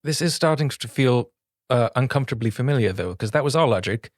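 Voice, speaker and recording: A man's voice: mid-range voice, expressive, a little fast, no echo, studio quality. A man playing in a tabletop role-playing game, speaking plainly with some hesitation. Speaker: player.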